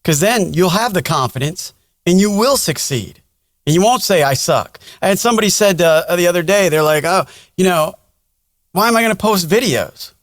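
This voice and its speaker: A man with a fairly high voice hosts a casual podcast conversation. He talks informally and encouragingly, in an animated ramble. The sound is dry, with hardly any room in it. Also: normal speed, dry recording. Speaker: podcast host. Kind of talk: casual chat.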